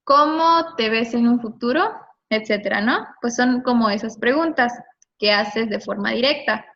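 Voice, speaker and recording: A woman's voice: fairly high pitch, normal speed, a bit bright. A woman teaching a grammar lesson to a class, prompting students with questions and checking their answers. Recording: dull lo-fi recording.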